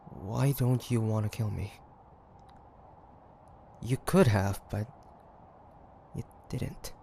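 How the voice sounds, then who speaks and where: A cocky, stubborn nineteenth-century demon hunter, acted by a man in an audio drama. His delivery is very slow and theatrical, broken by pauses, with a gravelly creak in the voice. A faint noise sits behind him. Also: mid-range voice, warm tone. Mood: baffled, resigned. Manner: theatrical, taunting, halting with sighs and pauses. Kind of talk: dramatic audio roleplay monologue.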